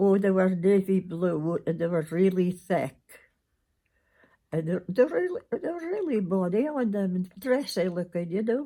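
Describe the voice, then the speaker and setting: A woman with a northeast Scottish accent at medium pitch, fairly slow delivery and ordinary pitch variation. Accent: Doric Scots. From northeast Scotland. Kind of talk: oral history interview answer.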